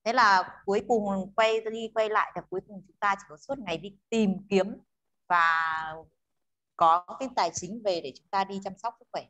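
A woman in her thirties speaks earnestly and politely through a webcam microphone in a small room. Her tone stays steady and explanatory as she leads the online meeting. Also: medium pitch, moderate pace, poor audio. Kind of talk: casual discussion on a video call. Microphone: webcam microphone on a video call.

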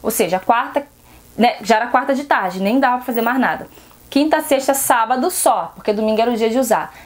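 A woman's voice: a little high, expressive, brisk. A seamstress with a Brazilian Portuguese accent talks frankly to her viewers in a casual advice vlog, often asking rhetorical questions. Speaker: seamstress vlogger.

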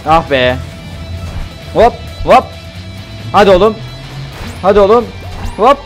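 An excitable man doing live game-stream commentary. His voice sits high and swings widely as he yelps at the screen and chats to his viewers. Faint game music plays underneath. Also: slow pace. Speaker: gaming streamer.

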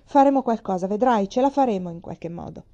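A woman's voice: medium pitch, lively intonation, brisk, dark tone, highs cut off, natural voice. A woman reading the lines of a determined pioneer father in a storybook, speaking with firm reassurance. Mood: resolute.

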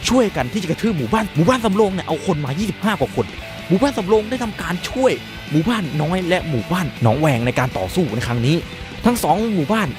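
A man's voice: high-pitched, big pitch swings, fast talker, over music. A man telling a dramatic first-person story in colloquial speech, emphatic and suspenseful.

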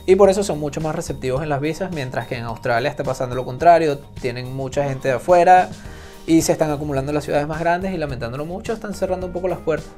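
A man, an interview guest who speaks in a measured, deliberate way. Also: on the high side, mellow, soft background music. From Venezuela. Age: 30s. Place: small office on a sofa.

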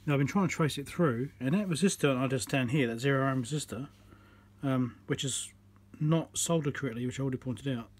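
A man's voice: mid-range voice, a little fast, slight background noise. A man giving casual commentary as he repairs electronics, thinking aloud as he works at a workbench. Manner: muttering, thinking aloud while working.

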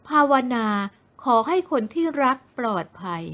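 A woman narrating a novel in a slow, measured storytelling manner. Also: a bit bright. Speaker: audiobook narrator.

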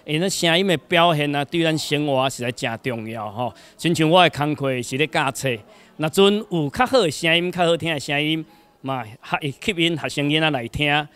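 Clear, higher-pitched Taiwanese Hokkien man. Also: moderate pace, a bit bright. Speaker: teacher and workshop student being interviewed. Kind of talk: casual interview.

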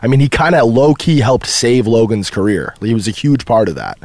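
A man's voice: mid-range voice, very animated, a little fast, a little mellow, dry recording. Defensive man in a podcast chat. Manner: interrupting, defensive, swearing.

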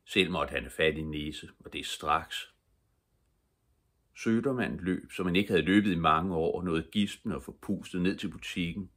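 Deep-voiced older man reading a bedtime story. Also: fairly bright tone. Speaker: audiobook reader. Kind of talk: bedtime story read-aloud.

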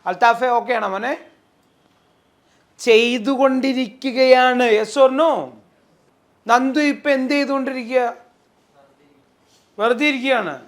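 A man's voice: very high-pitched, unhurried, pauses often. A man teaching a spoken English class, acting out little everyday scenes and often quizzing the students. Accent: Malayali English. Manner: animated, quizzes students with repeated "yes or no?". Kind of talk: classroom lesson with acted examples.

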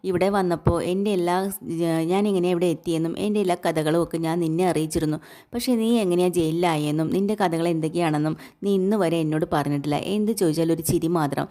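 Woman, casual story recap, low pitch, dark relaxed tone. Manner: plain retelling, quotes dialogue in her own voice, frequent filler "kettō". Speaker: host retelling a serial story. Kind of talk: casual spoken recap of a serial.

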